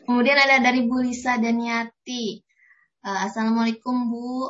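Brief: woman moderator, higher voice, reads questions plainly, dull lo-fi audio. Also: level tone, moderate pace, a bit bright. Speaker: moderator reading audience questions. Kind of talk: reading questions aloud.

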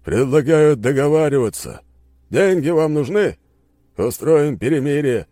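A man's voice: medium pitch, expressive, fairly quick, dry recording, clean studio sound, voice pushed up, natural voice. A man voicing an arrogant, furious middle-aged enemy general who barks orders in an audiobook. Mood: scornful. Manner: shouting, barking orders. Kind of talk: audiobook character voice.

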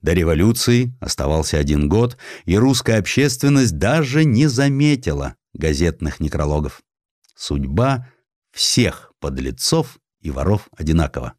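A man reading a historical story as an audiobook narrator, in a measured, expressive literary style. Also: sits low, no room sound, clean studio sound.

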